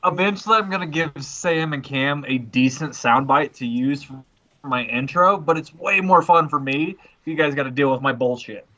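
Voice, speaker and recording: A man's voice: a little high, normal speed, bright, forceful tone. A man joking casually as a tabletop game player joining remotely, on slightly lo-fi audio.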